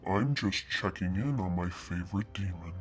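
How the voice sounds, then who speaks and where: A cruel, entitled devil speaks, put on by a man reading a storybook aloud, his voice sitting low and husky with a sneer in every word. He drawls his mockery and lets threats fall quietly. Soft music plays faintly behind him. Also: normal speed. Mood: mocking. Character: smug menacing male devil, cruel and entitled.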